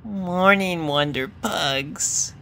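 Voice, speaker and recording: Man putting on a shrill, frantic female cartoon pony. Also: extremely slow, vocal fry, bright, forceful tone, full character voice. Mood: quiet, fond. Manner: frantic, exclamatory. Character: brash, hot-tempered young female cartoon pegasus pony.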